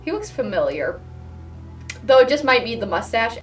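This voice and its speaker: A woman's voice: a little high, sing-song, normal speed, faint music behind. A woman giving casual, sarcastic, sweary commentary as host of a reaction video.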